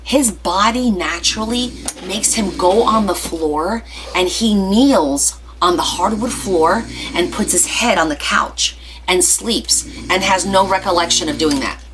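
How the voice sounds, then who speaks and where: A woman hosting a casual livestream, chatting to viewers in an animated, talkative way. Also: mid-range voice, measured pace, background noise. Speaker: livestream host.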